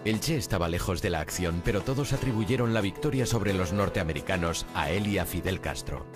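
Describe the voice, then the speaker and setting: A man's voice: low voice, fairly quick, music in the background. A man reading scripted narration for a documentary.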